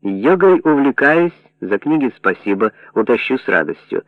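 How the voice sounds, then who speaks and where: Мужчина-чтец играет уверенного, ироничного советского чиновника. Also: male voice, medium pitch, big pitch swings, moderate pace, no room sound. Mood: wry. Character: Soviet official, wry and confident. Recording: dry narrow phone-like sound.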